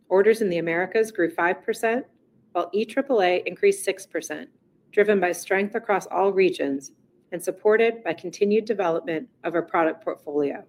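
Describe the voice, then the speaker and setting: A woman chief executive reading a scripted earnings presentation in a formal, measured corporate manner. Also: medium pitch, darkish tone.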